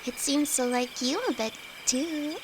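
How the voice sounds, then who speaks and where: A woman's voice: high-pitched, fairly even intonation. A woman playing a timid, affectionate young apprentice alchemist in an intimate fantasy audio roleplay, speaking hesitantly to her best friend. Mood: gentle. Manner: hesitant, halting, soft-hearted. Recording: noisy, with night insects behind. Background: crickets and night forest ambience.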